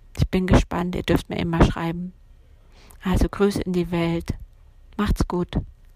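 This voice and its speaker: Noticeable background noise surrounds a woman with a fairly low pitch who speaks at a fairly slow pace. Her intonation is monotone and flat, broken by long, frequent pauses. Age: 40s. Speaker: podcaster, former civil servant. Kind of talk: personal monologue. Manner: unscripted, with hesitations.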